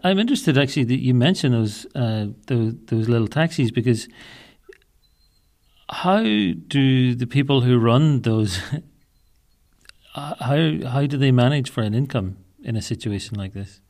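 A man's voice: mid-range voice, measured pace, darkish tone. A man interviewing a guest, asking questions in a hesitant way and repeating words as he goes.

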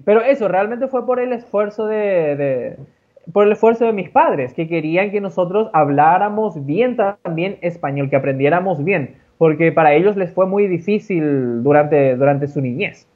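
Man, Guarani speaker, high voice, loose and rambling with restarts, tinny phone-line sound. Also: normal speed. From Paraguay. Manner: relaxed, repetitive, many fillers and restarts. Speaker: interviewee. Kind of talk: casual interview answers. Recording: tinny phone-like call audio.

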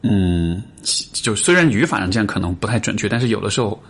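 A man's voice: fairly low pitch, animated, fast, husky. A man hosting a casual interview show, thinking aloud and repeating phrases as he goes. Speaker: podcast host.

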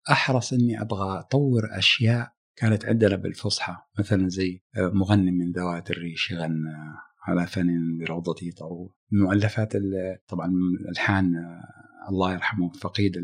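A middle-aged man with a husky, somewhat low voice. He talks quickly in a casual interview, reflective, breaking off and restarting his phrases as he thinks. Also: flat delivery. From Saudi Arabia. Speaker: musician guest.

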